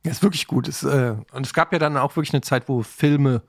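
A man with a medium-pitched voice reminisces in relaxed podcast conversation as a co-host. The sound is close and dry. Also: brisk, creaky, dry recording. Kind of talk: casual chat, reminiscing.

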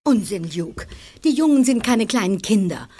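A woman playing a resolute ranch woman in a German audio drama, brisk, scolding and matter-of-fact. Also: medium pitch, expressive, warm tone, breathy edge. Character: resolute, no-nonsense grown woman running a ranch.

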